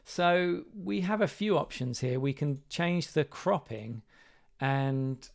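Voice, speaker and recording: A man with a slightly croaky voice, thinking aloud and correcting himself as he demonstrates software live. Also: on the high side, animated, slow. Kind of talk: live screen-share walkthrough.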